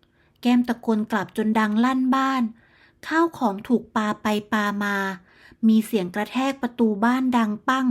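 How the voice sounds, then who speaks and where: A woman narrating a moral bedtime story in a steady, measured storytelling manner. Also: a little high.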